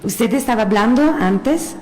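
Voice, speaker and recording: Woman, non-native speaker, mellow tone, halting delivery, audience questioner. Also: a little high, animated. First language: not Spanish. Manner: halting, searching for words in a second language. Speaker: audience member asking a question. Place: university museum hall.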